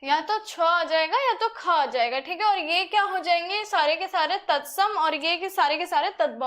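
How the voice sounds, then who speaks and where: A woman's voice: extremely high pitch, a bit bright. A young woman teacher giving a chatty grammar lesson, often asking her students rhetorical questions.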